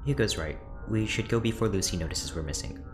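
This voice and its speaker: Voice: low-pitched, a little fast, over music, natural voice. An actor playing a reserved, uneasy escapee in an audio drama, hesitant and terse.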